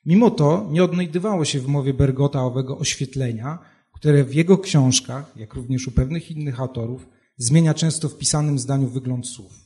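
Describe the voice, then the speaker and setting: A man with an ordinary mid-range voice reads a long literary passage in a steady, even way. When he talks freely he hesitates and restarts while explaining his choices. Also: mid-range voice, normal speed, slightly rough. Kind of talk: reading aloud and literary discussion.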